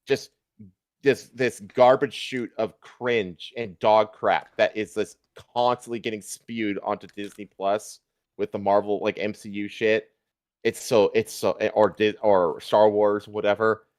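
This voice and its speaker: Low-voiced man ranting, swearing freely. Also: fairly even intonation, a little slow, darkish tone, no echo, clean studio sound. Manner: profane, emphatic, repetitive. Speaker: livestream host. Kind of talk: casual ranting chat.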